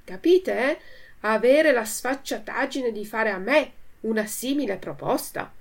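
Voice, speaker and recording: Casting: a woman doing a cheeky puppet boy, high and eager, with a gravelly edge, storybook reading. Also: expressive, a little slow, full character voice. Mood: indignant.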